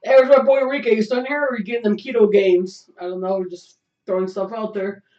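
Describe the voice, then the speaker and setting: Hoarse joking man, echoey lo-fi webcast. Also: high-pitched, steady tone, fast talker. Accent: Chicago. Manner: joking, teasing banter. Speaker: podcast co-host. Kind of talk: casual chat. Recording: echoey room, dull lo-fi sound.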